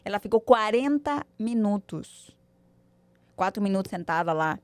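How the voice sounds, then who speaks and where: A woman guest on a podcast, telling a family story in an animated way and acting out the dialogue. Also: mid-range voice, unhurried, no echo. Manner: animated, acts out quoted dialogue. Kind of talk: casual storytelling.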